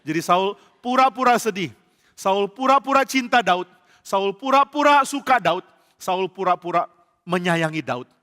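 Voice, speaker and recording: Animated pastor telling a story in church. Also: male voice, high voice, a little slow. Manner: animated, acts out the story with sound effects. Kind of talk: storytelling sermon. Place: large church. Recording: church hall reverb.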